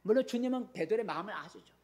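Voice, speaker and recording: A man's voice: high-pitched, animated, racing, darkish tone. A male pastor giving a sermon in a conversational way, repeating phrases and asking the congregation questions.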